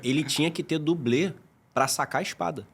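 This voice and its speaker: A Brazilian man with a husky voice who talks fast in casual comedy podcast chat. He jumps in eagerly with slangy asides. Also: on the high side, fairly bright tone. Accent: Brazilian Portuguese. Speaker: podcast co-host.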